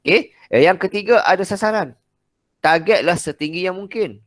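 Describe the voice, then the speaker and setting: A man's voice: sits high, lively intonation, moderate pace, fairly bright tone, no room sound. A man with a Malaysian Malay accent, a maths teacher giving a casual seminar talk, blunt and direct, acting out exchanges with students and often saying "okey".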